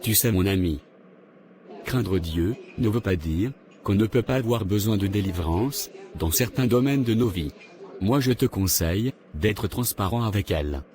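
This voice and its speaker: A man voicing an earnest, measured adult man in a Christian cartoon drama. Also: fairly low pitch, a little mellow, lightly acted. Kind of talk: French-language cartoon dub.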